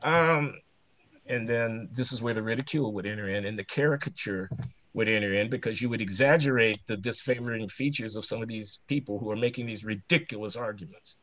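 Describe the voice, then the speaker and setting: A man's voice: on the low side, a little fast, fairly bright tone, no echo. A man speaking as a panelist in a discussion, talking emphatically with lots of restarts. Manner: emphatic, ranting, many restarts.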